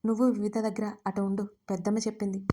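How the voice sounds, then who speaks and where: A woman's voice: mid-range voice, little pitch movement, mellow, close to an everyday voice. A bubbly young newlywed, as a woman narrator reads her. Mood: lively. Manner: bubbly and quick to protest.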